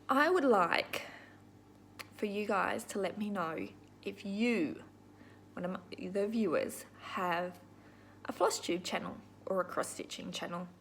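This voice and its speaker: A woman's voice: medium pitch, measured pace, long pauses, fairly bright tone, slight background noise. A middle-aged Australian woman hosting a crafting video, chatting casually to viewers in an informal, rambling, self-deprecating way.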